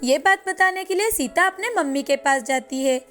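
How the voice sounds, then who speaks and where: Female storyteller, high and clear, steady explanatory narration for a kids' cartoon. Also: normal speed, soft background music.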